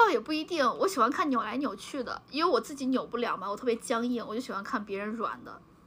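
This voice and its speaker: A woman speaks at a very fast pace with hardly any pauses, in a high pitch with lively intonation and an animated tone. Noticeable background noise runs behind her. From China, Xi'an (Shaanxi). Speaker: podcast co-host. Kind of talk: casual chat. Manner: animated, frequent laughter.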